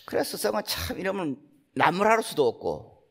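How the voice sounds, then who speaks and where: An older Buddhist monk from Gyeongsang with a Gyeongsang accent, giving a dharma talk in folksy, unhurried storytelling. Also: male voice, high-pitched, big pitch swings, vocal fry, a bit bright, breathy edge. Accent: Gyeongsang Korean. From Gyeongsang province, Korea. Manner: folksy, unhurried storytelling, acting out quoted speech. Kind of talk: sermon storytelling.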